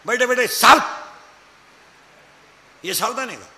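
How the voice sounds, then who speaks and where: A man giving a comic devotional kirtan sermon, scolding and bantering with the crowd and shouting at the peaks. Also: very high voice, a little slow. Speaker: kirtan preacher. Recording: echoey hall with faint background noise.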